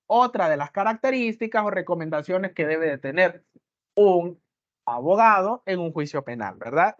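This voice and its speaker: A man's voice: fairly high pitch, dry recording. Man, law lecturer, emphatic, rhetorical questions, muffled lo-fi audio, dry close sound. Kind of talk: classroom lecture on courtroom speaking.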